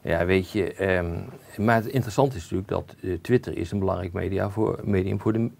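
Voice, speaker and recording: A man with a low, gravelly voice talks through an interview as a guest expert. He weighs his words slowly, hedging and pausing often as he explains. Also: darkish tone. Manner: measured, cautious explaining with many hesitations. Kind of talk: conversational interview.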